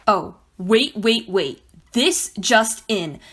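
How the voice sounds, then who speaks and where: A woman's voice: medium pitch, lively intonation, very slow, over a noisy crowd, heavy background noise. A woman playing a jaded, sarcastic debate co-host in a staged political satire, with a dismissive way of talking. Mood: mock announcing. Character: jaded, sarcastic female debate co-host and apathetic non-voter.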